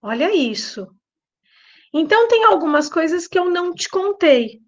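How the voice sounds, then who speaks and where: A middle-aged woman with a Brazilian Portuguese accent tells a story in a high, bright voice. She repeats phrases for emphasis and acts out the dialogue. The recording sounds dull and lo-fi. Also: big pitch swings, normal speed. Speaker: lecturer and behavioral trainer. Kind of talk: storytelling talk.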